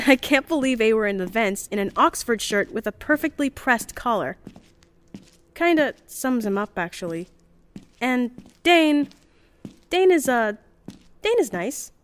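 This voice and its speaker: A woman's voice: a little high, expressive, unhurried, pauses often. An actress playing a chirpy, earnest, polite young woman on a science team, gushing and easily flustered, in an audio drama. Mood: fond, flustered. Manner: bubbly, gushing, hesitant when flustered. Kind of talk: audio drama, recorded diary.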